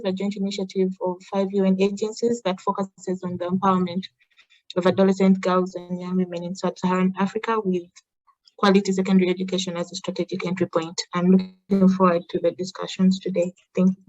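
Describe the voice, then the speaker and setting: A woman introducing herself as a program coordinator in a measured, formal way over a video call. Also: medium pitch, a little mellow. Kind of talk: self-introduction. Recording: dull lo-fi call audio.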